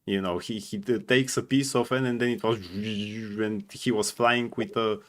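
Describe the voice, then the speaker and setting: A man with a fairly low voice talks casually as a panelist on a fan show. He gives his opinions in a halting way, often doubling back on words as he explains. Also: fairly even intonation.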